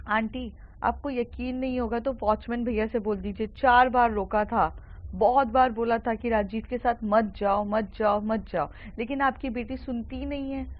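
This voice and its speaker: A woman's voice: a little high, steady tone, moderate pace, lo-fi sound, natural voice. A woman voicing a schoolgirl who insists on what happened. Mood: insistent.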